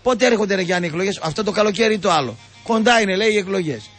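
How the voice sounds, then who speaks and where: A man's voice: high-pitched, lively intonation, fairly bright tone, faint music behind. An older man, a radio host delivering an indignant, sarcastic rambling monologue full of fillers.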